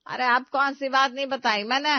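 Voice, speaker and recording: This is a stingy, scolding mother-in-law from an animated family story, voiced by a woman. She talks loud and bossy, cutting others short. The sound is dry and a little dull. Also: sits high, normal speed, no room sound, voice pushed up. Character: sharp-tongued stingy older mother-in-law.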